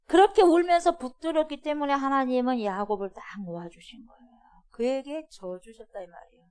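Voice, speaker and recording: Middle-aged woman pastor, higher voice, animated sermon with questions to the congregation. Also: fairly quick. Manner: animated preaching, asks the congregation questions, swings from loud to hushed. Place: church sanctuary.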